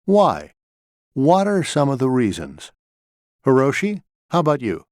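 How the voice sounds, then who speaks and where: A man acting as a lecturer, giving a scripted class talk in a clear, measured way, recorded in a studio. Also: medium pitch, wildly swooping pitch, a little mellow, no room sound. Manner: measured, clear explanatory delivery. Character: male lecturer talking to a class.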